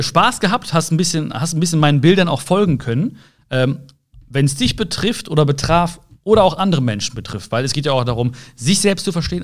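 A man hosting a podcast, giving a gentle, encouraging self-help monologue straight to the listener and often tagging his sentences with a questioning "ja?". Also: mid-range voice. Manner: tags sentences with "ja?" and "ne?". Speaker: podcast host.

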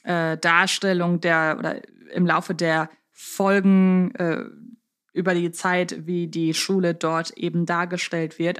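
A woman co-hosting a podcast, reasoning casually with dry humour. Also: medium pitch. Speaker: podcast co-host.

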